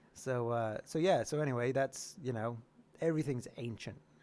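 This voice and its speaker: At a moderate pace, a speaker with an American accent uses a dark, mellow tone and ordinary pitch variation. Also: man. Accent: American; English accent fully disappeared. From UK (Wales). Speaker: podcast guest. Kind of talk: casual chat. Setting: studio.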